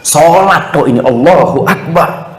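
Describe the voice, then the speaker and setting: A man preaching a sermon to a congregation in an animated way, often slipping into voices when he quotes people. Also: a little high, measured pace. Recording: echoey hall with long reverb.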